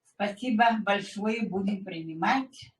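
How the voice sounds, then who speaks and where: A woman's voice: medium pitch, slow, a little hiss or hum. A woman in her sixties giving a chatty personal testimonial at a meeting, dropping frequent filler words. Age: 60s. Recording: echoey room, distant mic.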